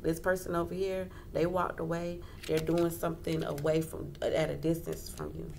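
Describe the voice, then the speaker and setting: A woman's voice: low-pitched, little pitch movement, normal speed, a little mellow. A woman giving a casual tarot reading as host, talking informally, repeating phrases and checking in often. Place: indoors at a wooden table. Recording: clearly noisy home recording.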